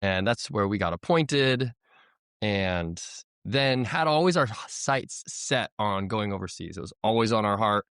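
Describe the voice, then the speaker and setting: A man in his thirties from the United States, a missionary guest telling his story in a relaxed, rambling way. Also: on the low side, measured pace, smooth, dry recording, studio quality. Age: 30s. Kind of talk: conversational interview storytelling.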